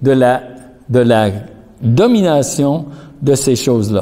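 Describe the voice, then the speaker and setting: A man is speaking. His pace is very slow. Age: 70s. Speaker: preacher. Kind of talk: sermon. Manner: halting, self-correcting.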